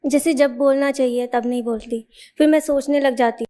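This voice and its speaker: Soft, hesitant young woman. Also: sits high, steady tone, moderate pace. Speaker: audience questioner. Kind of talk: asking a question.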